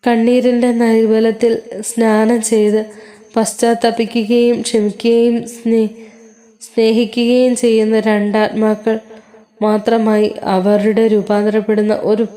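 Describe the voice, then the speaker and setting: Even-toned woman reading a story aloud. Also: on the high side. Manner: steady reading with small slips and restarts.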